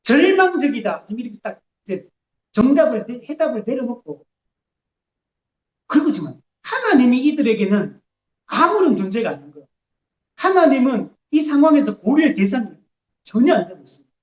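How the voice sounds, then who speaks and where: A woman's voice: fairly high pitch, very animated, moderate pace, long pauses, darkish tone. A woman preacher giving a sermon in a church, in a casual, confessional way with many filler words. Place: church sanctuary. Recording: roomy church hall, distant mic, dull sound.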